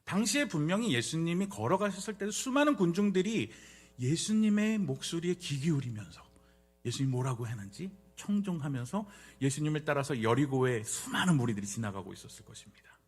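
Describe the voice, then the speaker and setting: A man preaching a Wednesday sermon as pastor, acting out scenes with dramatic swings between hushed whispers and loud cries. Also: a little high, sing-song, a little fast, breathy edge.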